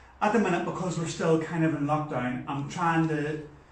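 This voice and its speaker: There is audible room echo and light background noise as a man speaks with fairly even intonation. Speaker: paranormal explorer host. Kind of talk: casual vlog chat. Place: empty room. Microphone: camera far.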